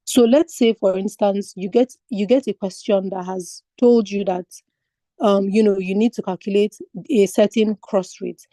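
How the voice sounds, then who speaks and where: Nigerian woman teaching a class online, warm low tone, asks lots of questions as she explains. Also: steady tone, moderate pace, dry recording, studio quality. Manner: patient step-by-step explaining with rhetorical questions. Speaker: finance exam tutor. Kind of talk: online lecture.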